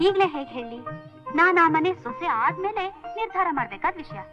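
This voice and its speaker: An actress playing a young bride who speaks in a gentle, composed way. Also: female voice, very high voice, animated, a little fast. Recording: dull old film soundtrack with music.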